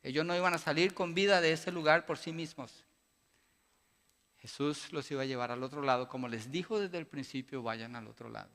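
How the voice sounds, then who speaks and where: A man preaching a sermon as pastor, asking his congregation rhetorical questions and building to loud, emphatic passages. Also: a little high, brisk. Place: church sanctuary. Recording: long church-hall reverb.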